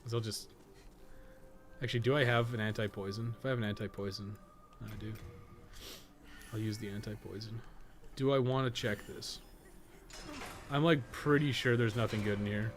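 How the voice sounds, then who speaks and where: A man's voice: fairly low pitch, steady tone, normal speed, pauses often, slight background noise. A man giving casual gaming commentary, thinking aloud in a rambling, profane way with joking asides. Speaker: podcast co-host playing a video game.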